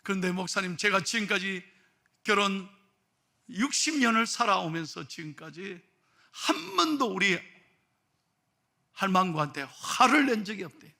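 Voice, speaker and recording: A preacher plays a stubborn old husband in a sermon story. The voice runs high and bright with a gravelly edge. He talks gruffly and bursts into shouts. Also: expressive, measured pace, pauses often, heavily acted. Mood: confiding. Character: old husband told he has cancer, stubborn.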